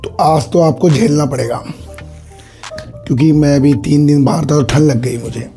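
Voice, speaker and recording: A hoarse man with a cold hosting his own stock market channel, chatting casually to viewers, addressing them as sir and repeating his phrases. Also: fairly high pitch, moderate pace, warm tone, soft background music. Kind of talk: casual market commentary to camera.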